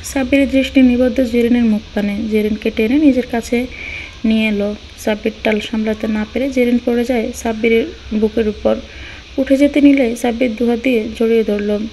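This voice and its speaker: A woman's voice: fairly high pitch, a little fast, a little hiss or hum, poor audio. Bangladeshi woman narrating an audio story. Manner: steady reading, voicing each character.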